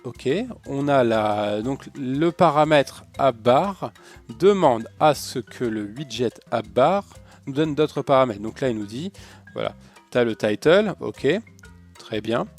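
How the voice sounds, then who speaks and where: A man's voice: mid-range voice, animated, slow pace, a little mellow, faint music behind. A man hosting a casual coding tutorial, chatty and rambling, talking to himself as he types and clicks through his work. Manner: chatty, rambling, talks to himself while typing.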